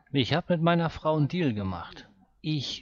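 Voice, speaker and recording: At a fairly slow pace, this unremarkable speaking voice moves with lively intonation. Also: man. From Schleswig-Holstein, northern Germany (near Flensburg). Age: 40s. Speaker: podcast co-host. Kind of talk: casual chat.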